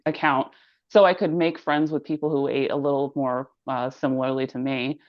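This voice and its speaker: Woman, late 30s, low register, casual conversational delivery, slightly muffled dry recording. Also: flat delivery, moderate pace, dry recording. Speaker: online diet content creator. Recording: dry, slightly dull microphone sound.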